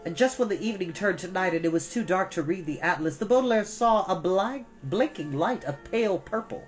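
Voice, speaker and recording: A low-pitched woman reads a storybook aloud as host of a storytime. Her delivery is expressive, leaning carefully on key words. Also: a little fast, soft background music.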